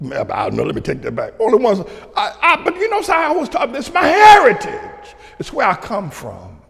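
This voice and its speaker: An older man from North Carolina with a Southern accent, a pastor preaching commentary, dropping to quiet asides and then rising to shouted declarations with chuckles between. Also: huge pitch swings, normal speed, vocal fry. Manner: swings from low asides to shouted outbursts, chuckling. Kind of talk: preaching commentary to a broadcast audience. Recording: long hall reverb.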